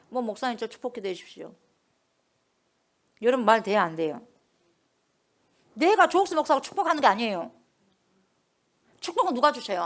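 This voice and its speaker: Woman pastor, sermon, fairly high voice, very lively pitch, emphatic rhetorical questions.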